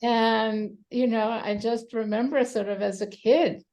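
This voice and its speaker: A woman from Romania, a psychotherapist answering interview questions thoughtfully over a video call, with many pauses and fillers. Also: on the high side, fairly even intonation, darkish tone. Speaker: psychotherapist guest.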